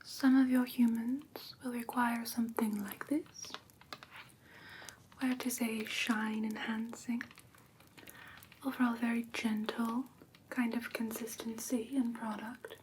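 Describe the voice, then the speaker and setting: A woman playing a gentle vampire teacher in a whispered ASMR roleplay, patiently instructing in a soft, breathy, soothing way. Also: fairly high pitch, level tone, takes it slowly, noisy background. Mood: gentle, instructive. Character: gentle female vampire teacher of human pet care.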